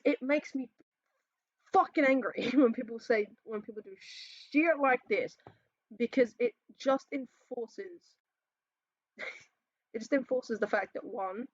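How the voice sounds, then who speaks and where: A man's voice: high-pitched, dry recording, dull audio. An Australian trans man with a feminine-sounding voice, ranting casually while reacting to memes, swearing often and rambling between sighs and laughs. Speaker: reaction video host.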